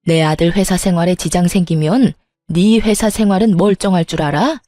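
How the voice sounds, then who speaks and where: A vicious, threatening mother-in-law from an audio storybook, spitting out angry warnings, read by a woman. Her tone is mellow and dark, heard close and dry. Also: lowish voice, moderate pace, no room sound, soft background music, close to an everyday voice. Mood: furious. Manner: shouting threats.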